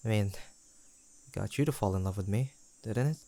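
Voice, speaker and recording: A man's voice: fairly low pitch, natural voice. A young man playing a tender, teasing best friend turned lover in an intimate romantic audio roleplay, speaking in a hesitant, conversational way. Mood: sheepish, embarrassed. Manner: conversational, hesitant, halting delivery with sighs and soft chuckles.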